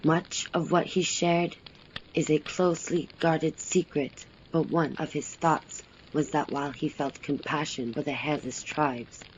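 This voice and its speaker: Man narrating as a higher-pitched young maiden storyteller, noisy track. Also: fairly even intonation, a little slow, muffled recording, close to an everyday voice. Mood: solemn. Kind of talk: first-person audio drama narration.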